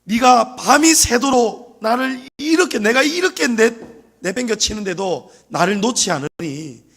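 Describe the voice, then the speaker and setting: A stern, testing God speaks , as a male preacher puts him on, scolding in a fairly high voice. The voice rises and falls widely, firm and deliberate. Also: expressive, gravelly, fairly bright tone, slightly rough, exaggerated voice. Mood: relenting. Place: church sanctuary.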